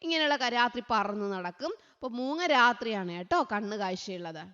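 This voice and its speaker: A woman tutor, teaching young children, asking questions and answering them herself, sometimes chanting lines slowly. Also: fairly high pitch, expressive, a bit bright, smooth. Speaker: online tutor. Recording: dull sound with a long echo.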